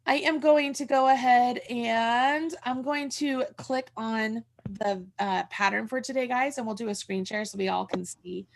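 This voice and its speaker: Chatty, higher-pitched woman with a creaky edge. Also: unhurried, hardly any pauses. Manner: chatty, rambling, thinking aloud. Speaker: host of a crochet tutorial livestream. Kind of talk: casual livestream chat and instruction. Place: room at home. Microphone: video call from a desk.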